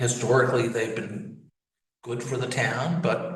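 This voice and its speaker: Speaking at a fairly slow pace, a man with a medium pitch and lively intonation is heard with audible room echo. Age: 70s. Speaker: lawyer. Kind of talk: town meeting report. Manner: halting, many repetitions and fillers.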